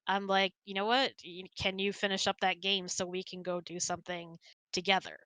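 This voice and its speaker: A woman's voice: medium pitch, little pitch movement, moderate pace, pushed and bright, no echo. A middle-aged woman hosting a casual, candid chat and giving relationship advice in an informal way. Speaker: host.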